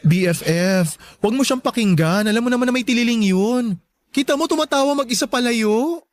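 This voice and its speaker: A woman playing a flamboyant, sharp-tongued gay best friend in a radio drama, sassy and campy in manner. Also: fairly high pitch, a little fast, no echo, natural voice. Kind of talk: Tagalog radio drama acting.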